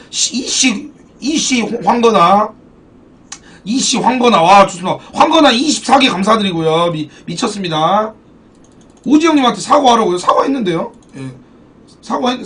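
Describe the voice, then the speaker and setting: Heard through a distant mic, a high-pitched man runs a casual live stream of a football card game. He banters animatedly with chat, swears freely, and thanks the people who donate.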